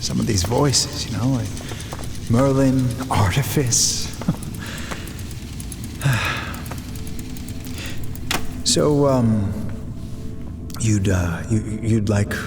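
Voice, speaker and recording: An actor playing a gentle, wistful chronicler in an audio drama, hesitant, reflective and polite. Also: male voice, medium pitch, very slow, creaky, long pauses, noisy background. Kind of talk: fiction podcast character acting. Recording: long hall reverb, music underneath.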